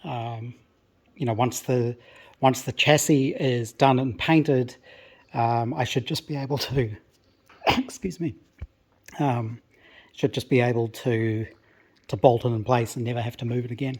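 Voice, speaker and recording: A slightly hoarse, somewhat breathless man explaining his car restoration work in a home workshop, in a relaxed way with many pauses and restarts. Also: medium pitch. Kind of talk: casual workshop walkthrough.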